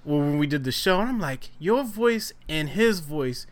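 A male host chatting casually with a guest, animated and slangy, reading out viewer questions. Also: fairly high pitch, measured pace. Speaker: podcast host. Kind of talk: casual conversation.

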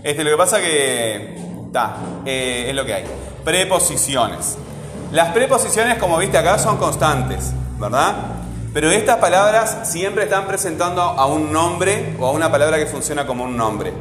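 A man's voice: fairly high pitch, animated, measured pace, noisy background. A man teaching a grammar lesson, asking his students questions and often answering them himself. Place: classroom. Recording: echoey room with long reverb, faint ambience.

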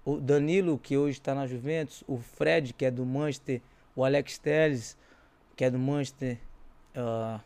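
A man's voice: medium pitch, fairly even intonation, measured pace, darkish tone, smooth. A man with a Brazilian accent chatting casually as an interview guest, telling stories in slangy, informal speech. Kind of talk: casual chat, animated storytelling.

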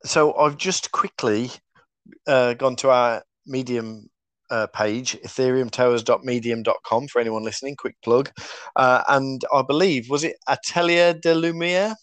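A man's voice: medium pitch, fairly even intonation, unhurried, a bit bright, dry recording. A man hosts a podcast in a Black Country accent. His delivery is casual and conversational, putting questions to a guest as a colleague would. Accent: Black Country, English West Midlands. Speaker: podcast host.

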